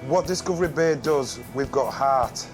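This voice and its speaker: Emphatic male restaurateur under loud music. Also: medium pitch, normal speed. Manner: repeats phrases emphatically. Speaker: restaurant owner and chef. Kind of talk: phone conversation.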